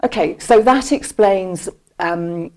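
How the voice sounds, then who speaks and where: A woman hosting an interview, a real estate agent who asks chatty questions with quick asides. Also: on the low side, darkish tone. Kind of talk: conversational interview.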